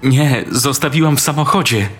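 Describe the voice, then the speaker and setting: A man's voice: medium pitch, moderate pace, faint music behind, pitched above the performer's own voice, natural voice. A man voicing a young woman in a horror story, bewildered and scolding her boyfriend. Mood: alarmed. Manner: pleading, disapproving.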